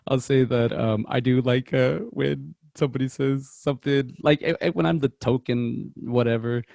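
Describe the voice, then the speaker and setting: A man of Mexican heritage co-hosts a movie podcast, rambling casually with lots of laughter and stumbling restarts. His mid-range voice is creaky and darkish, steady in tone, and moves at a normal speed. The recording is dry and of studio quality.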